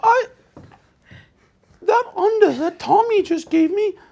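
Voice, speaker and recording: A put-on character voice, squeaky and extremely high-pitched. It moves at a moderate pace. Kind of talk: posh. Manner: pretending a British accent.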